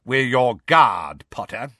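A man's voice: mid-range voice, animated, slow pace, gravelly, bright, forceful tone, no echo, studio quality, pitched above the performer's own voice, heavily acted. Man putting on a growling, irritable veteran wizard. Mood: gruff. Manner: growling, blunt. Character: gruff, dark-humoured, irritable veteran male wizard.

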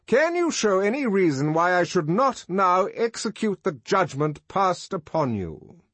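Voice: mid-range voice, very animated, a little slow, slightly rough, no echo, voice pushed up. A reader voicing a pompous middle-aged male director who declaims sternly, majestically and indignantly, in the manner of an audiobook. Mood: stern challenge.

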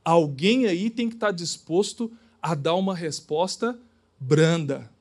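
A man preaches with a high-pitched voice and a lively, conversational delivery. He acts out little scenes as he preaches. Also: takes it slowly. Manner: animated, acts out dialogues. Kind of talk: sermon.

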